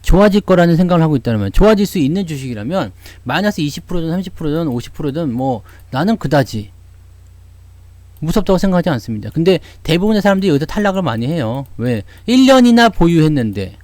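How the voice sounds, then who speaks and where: A man's voice: fairly high pitch, expressive, quick pace, darkish tone, no echo. A man hosting a stock market channel, talking viewers through the market and asking and answering his own rhetorical questions.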